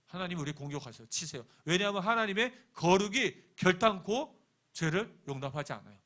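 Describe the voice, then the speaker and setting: A man's voice: high-pitched, lively intonation, fairly quick, a bit bright. A middle-aged man preaching a sermon as pastor. He keeps asking the congregation questions and answering them himself, and tells a personal story with quoted lines. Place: church sanctuary.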